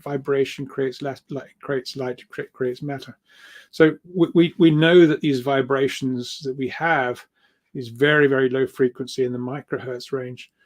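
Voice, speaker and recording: A man speaking as an interview guest, explaining at length in an earnest, enthusiastic way, often repeating words and restarting. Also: mid-range voice.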